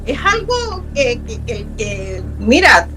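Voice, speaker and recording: Middle-aged woman, emphatic storyteller, a touch high, faint music underneath. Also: big pitch swings, slow pace, bright, forceful tone, low-quality recording. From Honduras. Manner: earnest and emphatic, repeats words for stress. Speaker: guest telling a true haunting story. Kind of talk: personal storytelling in a conversation.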